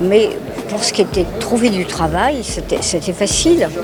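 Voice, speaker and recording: With music playing behind her, a woman talks at a medium pitch. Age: 80s+. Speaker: retiree. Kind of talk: interview answer.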